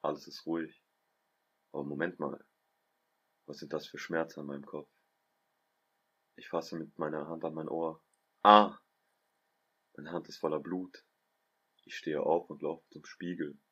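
A man reading a first-person story aloud in a calm, even storytelling voice. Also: extremely low pitch, moderate pace, long pauses, breathy edge. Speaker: guest narrator, host's brother.

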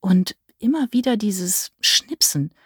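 A woman reading a dark fairy-tale story in first person, measured and vivid. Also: mid-range voice, animated, breathy edge, no echo, clean studio sound. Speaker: audiobook narrator. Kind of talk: scripted first-person narration.

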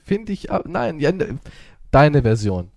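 A man chatting casually and teasingly, with an animated, expressive way of talking. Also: fairly high pitch, measured pace, creaky, no echo. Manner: teasing, playfully mocking. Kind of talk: casual banter.

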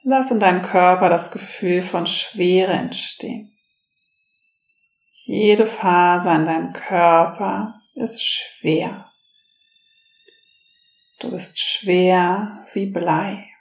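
A woman speaking slowly and softly, leading a guided relaxation meditation. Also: lowish voice. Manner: slow, soft-spoken, soothing. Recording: roomy echo.

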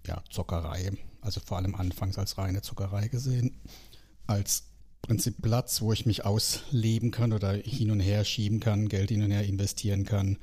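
A man's voice: on the low side, fairly even intonation, normal speed, mellow. A man in his late forties with a southern German accent, chatting casually as a podcast guest, rambling with fillers and tag questions. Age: 40s. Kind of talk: casual conversation.

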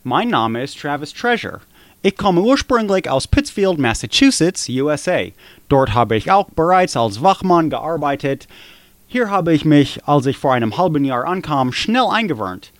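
A man reads a self-assured security guard from a mystery audio game, proud of his own strictness. His pitch rises and falls a great deal, and the recording is close and dry. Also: sing-song, normal speed, dry recording. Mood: officious. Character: stern, rule-proud male security guard. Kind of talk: scripted witness monologue.

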